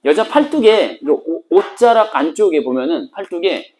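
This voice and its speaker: A literature teacher giving a casual, slangy exam-prep lecture and explaining terms in an animated way. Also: medium pitch, normal speed.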